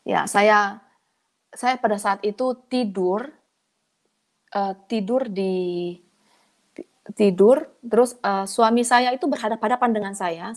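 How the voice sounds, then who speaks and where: A woman sharing a personal testimony in a casual, colloquial way, her voice leaping up when she gets excited. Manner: animated, pitch leaping up in excited moments; colloquial, chatty delivery addressing listeners as friends. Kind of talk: conversational testimony storytelling.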